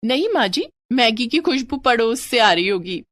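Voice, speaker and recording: A stubborn young wife who keeps making excuses, as a woman narrator plays her in a cartoon story. Her voice is expressive with a wide pitch swing. It is recorded dry and close. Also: normal speed, no room sound. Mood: sly.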